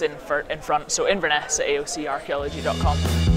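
Keeping a moderate pace, a woman speaks while noticeable background noise carries on around her. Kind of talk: interview answer. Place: hall.

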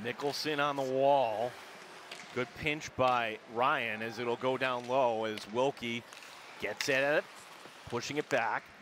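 Long, frequent pauses break up a man's speech, recorded with a dry sound, no echo and light background noise. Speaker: play-by-play announcer. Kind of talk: live hockey play-by-play commentary. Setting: arena broadcast booth. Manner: rapid-fire, tracking each pass and player name; bursts into excited shouts on goals. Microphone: headset.

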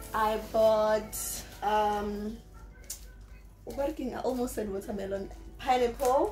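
Over clear music in the background, a woman talks at a very slow pace. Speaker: vlogger. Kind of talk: casual vlog chat. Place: kitchen. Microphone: camera far.

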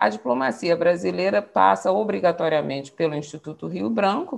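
Against a quiet background, a woman speaks with vocal fry at a very deep, low pitch. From Rio de Janeiro, Brazil. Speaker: diplomat; guest. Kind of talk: interview. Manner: fluent. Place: home room. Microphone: video call.

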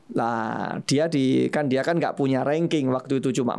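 A man speaking at a moderate speed, the background quiet. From Indonesia. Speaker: badminton coach. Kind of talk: casual chat. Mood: relaxed, often smiling. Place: studio. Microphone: studio mic.

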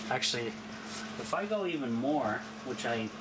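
Loud background noise surrounds a man speaking at a very slow pace. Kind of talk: casual DIY vlog commentary. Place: bathroom.

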